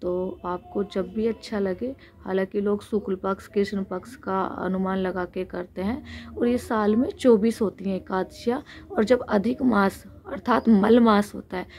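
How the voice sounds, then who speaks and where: An Indian woman giving an explanatory Hindu religious discourse, speaking earnestly and unscripted with pauses, her throat a little sore. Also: mid-range voice, fairly even intonation, darkish tone. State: sore throat with frequent throat clearing.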